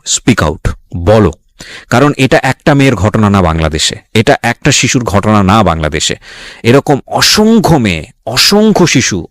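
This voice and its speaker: A man's voice: on the low side, no room sound. A male radio host speaking earnestly on a late-night call-in show, appealing directly to parents and young listeners.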